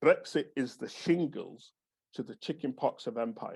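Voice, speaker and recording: In a very clean recording with a silent background, a man with a Yorkshire accent speaks at a very slow pace. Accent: Yorkshire, northern English. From northern England, Yorkshire. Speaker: professor. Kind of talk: lecture.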